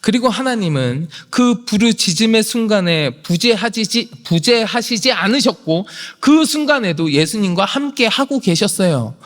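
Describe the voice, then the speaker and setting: A male pastor preaching a sermon, swinging from hushed whispers to shouted proclamation. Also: sits high, animated, moderate pace, few pauses. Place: church sanctuary. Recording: long hall reverb.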